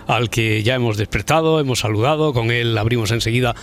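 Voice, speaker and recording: A man's voice: medium pitch, brisk. A man hosting a late-night radio talk show in a chatty, eager way, often repeating words. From Spain. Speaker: radio host. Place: radio studio.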